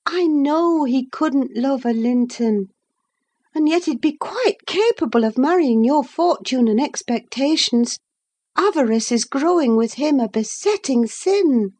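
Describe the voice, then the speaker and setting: A woman's voice: high-pitched, lively intonation, measured pace, a little mellow, pitched above the performer's own voice. A woman voicing a scornful, emphatic young lady. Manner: emphatic, cutting, declamatory. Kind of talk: audiobook dialogue reading.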